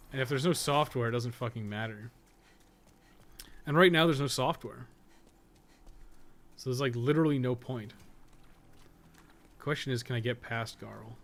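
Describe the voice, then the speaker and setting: A man with a mid-pitched voice streams a video game with some noise in the background. He rambles casually, thinking aloud as he plays and chats. His manner is blunt, with plenty of swearing. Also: normal speed, long pauses. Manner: blunt, heavily profane. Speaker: gaming live streamer.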